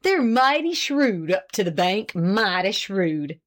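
A woman's voice: mid-range voice, very animated, slow. A woman voicing a pompous, self-important old farmer husband with an indignant, boastful rural drawl.

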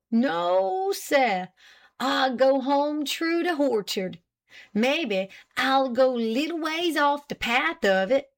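Woman playing an excitable man. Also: high-pitched, voice pushed up, exaggerated voice. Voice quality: broken dialect English, protesting and wheedling. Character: excitable French-Canadian man, sly and indignant witness.

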